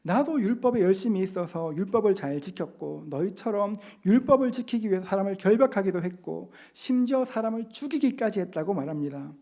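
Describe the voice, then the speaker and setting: A middle-aged man preaching a sermon as pastor, earnestly explaining scripture and slowing down to read passages aloud. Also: sits high, animated, gravelly, warm tone. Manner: earnest, slows to read scripture and act out quotes. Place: church sanctuary.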